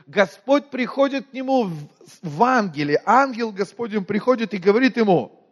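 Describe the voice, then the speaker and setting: A man from Moldova preaching a sermon in a conversational way, asking his listeners questions and often dropping to a quiet voice. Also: high-pitched, expressive, normal speed, dull audio. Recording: long hall reverb.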